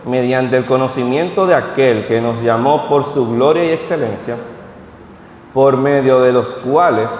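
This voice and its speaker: A man's voice: medium pitch, a little hiss or hum. Man preaching in an echoey church hall. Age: 30s. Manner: reads scripture steadily, then talks plainly with the congregation. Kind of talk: sermon with scripture reading. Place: church hall at a vigil service. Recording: echoey hall with long reverb.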